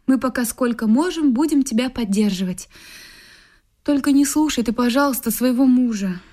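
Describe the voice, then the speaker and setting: Actress as a smug, high-voiced worldly sister. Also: female voice, normal speed, warm tone, natural voice. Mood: coaxing, scheming. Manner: condescending, coaxing, self-satisfied. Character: smug, worldly young married sister, bossy and materialistic. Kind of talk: radio play acting. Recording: music behind the voice.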